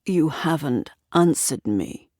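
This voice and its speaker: A sad, subdued husband speaks in a quiet, pleading way, low and slow, as a woman reader voices him. The sound is dry and close. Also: sing-song, no room sound, exaggerated voice.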